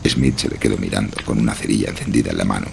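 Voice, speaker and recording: Casting: male narrator for horror fiction, rock-bottom pitch, heavy gravel and fry, music underneath. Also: very fast, slight background noise. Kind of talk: scripted horror story narration.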